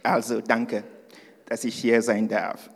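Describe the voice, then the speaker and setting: A male guest preacher delivers his sermon at an unhurried, deliberate pace, pausing often on fillers and restarting phrases. He sounds a little nervous. His voice carries a long reverb, as in a church hall. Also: mid-range voice, level tone. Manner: hesitant, with many fillers and restarts. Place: church service.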